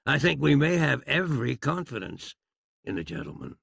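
A man's voice: medium pitch, very animated, moderate pace, vocal fry, fairly bright tone, slightly rough, no echo, clean studio sound, voice pushed up, full character voice. A man voicing a fussy, polite, educated doctor who speaks in a prim, formal, wordy way.

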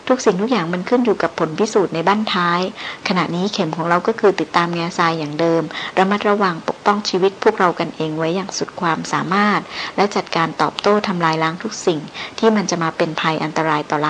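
A woman voicing a calm, steady male jungle hunt leader who speaks firmly and matter-of-factly. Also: lowish voice, quick pace, hardly any pauses, a little hiss or hum, natural voice, poor audio. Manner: firm, matter-of-fact. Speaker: storyteller.

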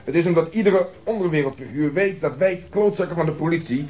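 An actor playing a blunt, hostile, swaggering police detective in a radio drama, curt and scornful. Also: male voice, fairly high pitch, fast talker, a little mellow, lo-fi sound, lightly acted. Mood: boastful.

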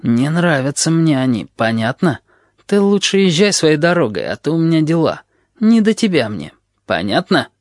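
A man's voice: a little high, sing-song, normal speed, no echo. A man reading an audiobook and voicing a gloomy, nervous teenage boy who grumbles defensively. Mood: suspicious.

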